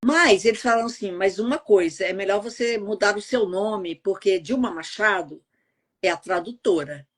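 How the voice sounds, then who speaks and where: A woman's voice: medium pitch, normal speed. A middle-aged Brazilian woman from Goiás with a neutral accent, chatting casually in an interview over a call and often tagging sentences with "né?". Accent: neutral Brazilian Portuguese, no regional accent. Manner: chatty, frequent "né?" tags, laughs easily. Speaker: voice actress and translator, podcast guest. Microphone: remote call.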